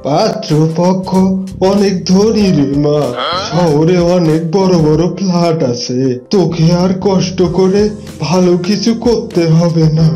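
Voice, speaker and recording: A man voicing a gentle, persuasive father of a grown daughter in a cartoon. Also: high-pitched, soft background music. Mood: persuading. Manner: coaxing, unhurried. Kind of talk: cartoon character voice.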